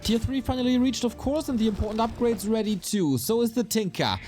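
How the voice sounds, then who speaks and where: A man casting an esports match play by play, his voice a little raspy, breaking into quick bursts of excitement at big plays. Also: very high voice. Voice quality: slightly raspy. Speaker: esports caster. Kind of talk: play-by-play game commentary. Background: game music.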